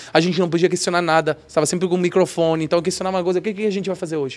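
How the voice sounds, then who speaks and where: A man with a high pitch rattles along at a very fast pace, his intonation fairly even. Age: 30s. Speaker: donut business founder; podcast guest. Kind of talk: casual interview. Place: studio. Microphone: studio mic.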